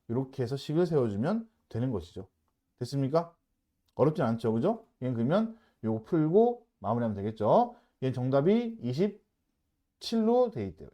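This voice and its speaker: Guy teaching math, pitch bouncing all over, keeps asking if the class got it. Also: warm tone. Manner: checks often with "알겠죠?", "됐죠?", switches between polite and casual speech. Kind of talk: lecturing at a whiteboard.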